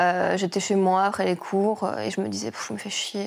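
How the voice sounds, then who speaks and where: This woman has a plain, everyday voice and a medium pitch. She talks at a moderate pace. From Belgium, Italian immigrant family. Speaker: YouTuber and content creator. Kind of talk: casual interview.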